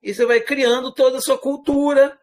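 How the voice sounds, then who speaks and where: A man with a Brazilian accent that is partly from Minas Gerais and partly rural caipira, giving an informal, animated lecture full of rhetorical questions. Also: very high-pitched, normal speed. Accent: Brazilian Portuguese, part Minas Gerais, part rural caipira. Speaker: teacher.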